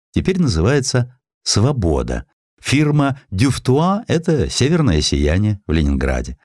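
A man's voice: deep voice, a little mellow, no echo, studio quality. A man narrating a historical essay as a scripted audiobook, reading expressively and acting out the quotes.

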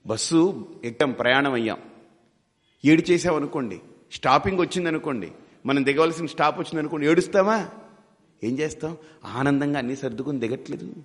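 A man's voice: fairly high pitch, brisk, pauses often, in a large hall. A man teaching as a spiritual guide in a devotional discourse. He asks many rhetorical questions and mimics his listeners as he talks.

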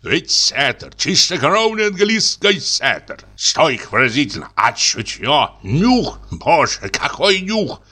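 A boastful army lieutenant of middle years, all bluster and wheedling charm, swooping up into excited highs, as a man reads him out. The voice has a bright, forceful edge. He hawks his beloved dog with theatrical outrage and flattery. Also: slow pace, few pauses, slightly rough, exaggerated voice.

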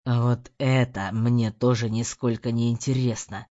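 A woman voicing an angry, hungover burly husband with a hoarse, growling voice. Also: extremely low pitch, level tone, a little slow, lo-fi sound, voice pushed down. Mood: furious. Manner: shouting furious threats.

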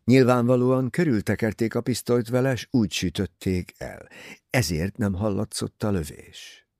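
A man reading a novel aloud as an audiobook narrator in a measured, expressive way. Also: fairly low pitch, no echo, studio quality.

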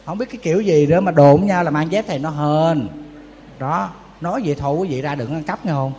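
A man's voice: fairly high pitch, brisk, dark tone, big-room sound, a little hiss or hum. A man giving a Buddhist sermon as a monk, telling stories in a chatty way and asking his listeners rhetorical questions. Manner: chatty storytelling, asks the audience rhetorical questions.

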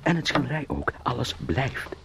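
A man's voice: medium pitch, sing-song, moderate pace, vocal fry, noisy background. An actor playing an anguished, pleading young salesman turned beetle in a radio drama, brooding and emotional. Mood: defiant distress.

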